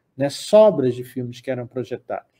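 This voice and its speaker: A man speaks in a dark, mellow tone with lively intonation. His pace is moderate, and the background is quiet. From Brazil, raised in Petrópolis (Rio de Janeiro state); Rio de Janeiro state, Brazil. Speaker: lecturer on horror and film culture; host of a cinema talk series. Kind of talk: lecture. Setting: live video stream. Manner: halting, many fillers and repetitions. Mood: relaxed, nostalgic storytelling. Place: home room.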